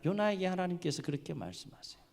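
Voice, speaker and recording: A male pastor delivers a sermon with a lively, swooping voice, acting out the story as he goes. His voice sits somewhat high for a man. A long church reverb hangs after his phrases. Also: fast, gravelly, slight background noise. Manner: animated storytelling that acts out the quotes.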